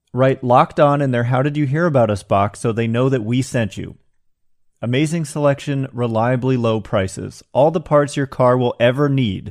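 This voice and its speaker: Over a quiet background, a man with an energetic tone talks at medium pitch with ordinary pitch variation. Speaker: podcast host, baseball fan and analyst. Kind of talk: radio dj patter: brisk, upbeat ad-read delivery. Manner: bright, punchy, salesy and energetic, with quick handoffs between ad copy and show talk; excited, enthusiastic fan energy.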